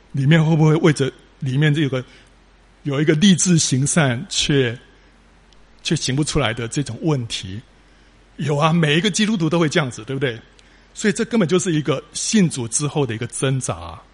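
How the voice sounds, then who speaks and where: A man's voice: a little high, breathy edge. A man preaching a sermon, telling stories with rising emphasis and frequent filler particles.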